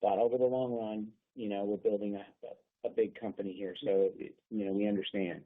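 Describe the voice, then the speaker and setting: A man speaking as a company executive, giving unscripted answers on an earnings call in a halting way, repeating words as he goes. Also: on the low side, flat delivery. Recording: thin phone-line conference call.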